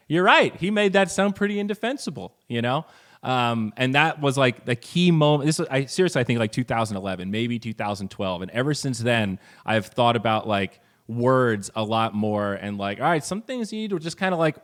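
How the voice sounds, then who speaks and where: A man speaking as a guest on a podcast, talking casually and animatedly, swearing freely and jumping up in pitch when he stresses a point. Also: a bit bright. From Finland. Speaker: podcast guest, esports commentator.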